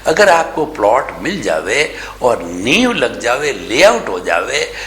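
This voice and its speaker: A man's voice: mid-range voice, very animated, takes it slowly, a bit bright. A man giving a spiritual discourse as a teacher, speaking emphatically, asking rhetorical questions and dropping English words into his talk. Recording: echoey room, faint ambient noise.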